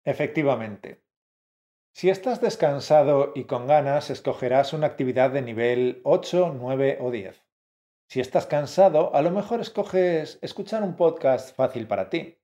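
Male podcast co-host, warm dark tone, encouraging, slightly muffled recording. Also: mid-range voice, lively intonation, a little slow. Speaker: co-host of a Spanish-learning podcast. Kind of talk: scripted podcast teaching.

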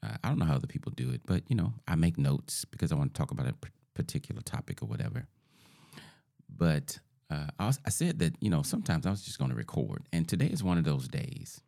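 Male podcast host, groggy morning voice, dark mellow tone, casual rambling monologue. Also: a bass voice, sing-song, quick pace, creaky. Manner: rambling and informal, addresses listeners as family.

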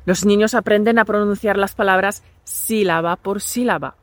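A woman from talks through a prepared lesson at a close mic, calm and deliberate, and she cheers the listener on. The recording is dry, with no room sound around her voice. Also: mid-range voice, dry recording. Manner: calm, clear and deliberate, encouraging. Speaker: Spanish teacher and podcast host. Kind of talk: scripted lesson narration.

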